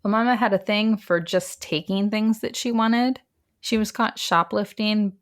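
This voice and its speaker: A woman's voice: medium pitch, steady tone, unhurried. A woman hosts a casual true crime podcast and walks through the case step by step. Her telling is chatty and wry, often broken by a laugh. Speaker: podcast host.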